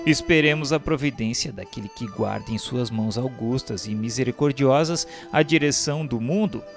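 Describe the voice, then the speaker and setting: A man delivers a formal, scripted spiritual narration over music. His mid-pitched voice moves expressively up and down, with a solemn, measured, oratorical delivery. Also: gravelly.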